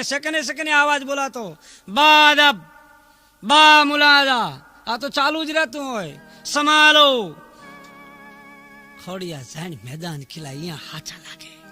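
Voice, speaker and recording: A man tells a folk tale in dayro style, swinging from hushed asides to ringing declaimed lists and chanted couplets. His voice sits very high and piercingly bright, with faint music underneath. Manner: dramatic, declaiming, chanting verses. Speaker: folk storyteller.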